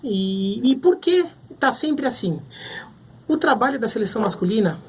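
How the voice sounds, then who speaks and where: A man's voice: extremely high pitch, lively intonation, normal speed, breathy edge. A man from Brazil giving casual sports commentary to camera, thinking aloud with frequent restarts.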